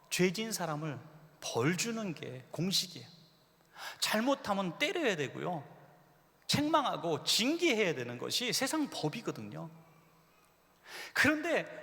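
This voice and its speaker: Animated Korean pastor preaching in a hall. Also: male voice, sits high, creaky. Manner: animated storytelling preacher, acts out quoted voices. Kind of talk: revival sermon. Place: church sanctuary. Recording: long church hall reverb.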